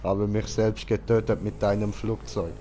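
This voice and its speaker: A man's voice: on the low side, steady tone, moderate pace, mellow, a little hiss or hum. A man with a Swiss German accent chatting casually as he streams a game, exclaiming and repeating words in bursts. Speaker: streamer playing GTA Online with a friend. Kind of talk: casual live gaming chat.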